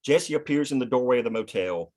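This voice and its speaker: A man's voice: medium pitch, expressive, fast talker, darkish tone. A man narrating scripted action and scene headings at a screenplay table read. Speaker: narrator reading stage directions.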